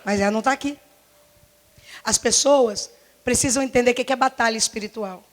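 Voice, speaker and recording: A woman pastor in her forties with a Brazilian Portuguese accent, preaching a fervent sermon in a church, her voice slightly hoarse, repeating herself and firing rhetorical questions. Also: on the high side, a little fast. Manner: impassioned, repetitive, many rhetorical questions. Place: church service.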